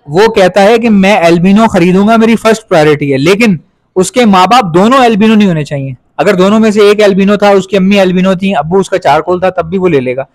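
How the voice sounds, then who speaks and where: A man's voice: high voice, no room sound. A man from Pakistan with a Pakistani Urdu accent, a pet breeder chatting casually in his vlog and repeating points for emphasis.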